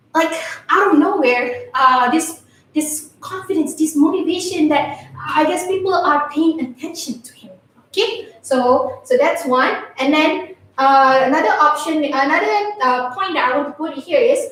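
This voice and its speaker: Amid noticeable background noise and audible room echo, a woman with a high pitch speaks at a fairly slow pace, with big swings in loudness. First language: Malay. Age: 20s. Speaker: English tutor. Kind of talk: online live class. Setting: live stream. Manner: casual, halting.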